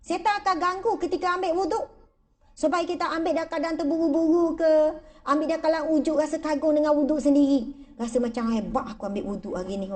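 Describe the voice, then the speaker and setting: A woman religious teacher speaks to a gathered audience in a high, bright-toned voice. She is playful and conversational, often dropping into mock voices to act out her examples. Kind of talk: lively religious talk.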